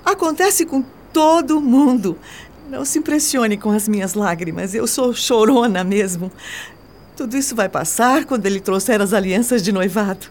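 An actress playing an anxious, tearful young daughter in a radio soap opera, speaking in an earnest, restrained, pleading way. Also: female voice, on the high side, moderate pace, a little mellow, close to an everyday voice. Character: anxious, tearful young woman, respectful devoted daughter in love.

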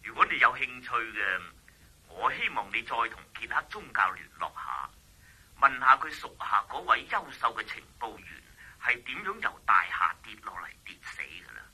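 An actor voicing a persuasive male international police chief in a Cantonese radio drama, talking in a hushed, knowing half-whisper. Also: on the low side, sing-song, normal speed, husky, full character voice. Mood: sly. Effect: telephone line. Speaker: police official.

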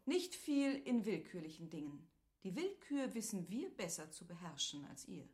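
A woman's voice: mid-range voice, sing-song, normal speed, darkish tone, close to an everyday voice. An actress playing a practical, composed aristocratic lady in a literary radio drama, speaking formally and firmly. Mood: firm, self-assured.

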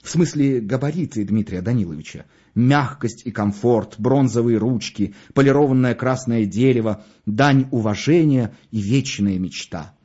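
A man voicing a smooth-talking middle-aged undertaker who gushes over his wares. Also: mid-range voice, moderate pace, few pauses, dark tone, muffled recording, lightly acted. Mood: unctuous. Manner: salesman's patter, swooping with enthusiasm. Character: oily, gushing middle-aged male undertaker.

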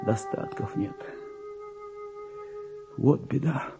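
A man's voice: medium pitch, drawn-out words, vocal fry, loud music behind the voice. An actor playing a vain, resentful middle-aged clerk in a radio play, pompous and exclamatory, as if muttering his diary to himself. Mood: dejected. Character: petty forty-two-year-old male clerk, vain, resentful, self-important. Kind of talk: theatrical radio play monologue, diary read aloud.

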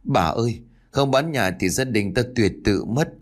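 A man's voice: medium pitch, expressive, normal speed, close to an everyday voice. A man voicing a weak, shaken old village grandfather who murmurs feebly but insists. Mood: grim. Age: older.

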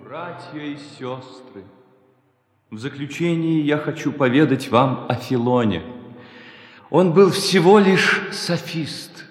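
An actor playing a tormented, self-loathing hermit preacher in a radio drama, declaiming theatrically and repeating words for emphasis. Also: male voice, a little high, slow. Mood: solemn preaching. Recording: music behind the voice.

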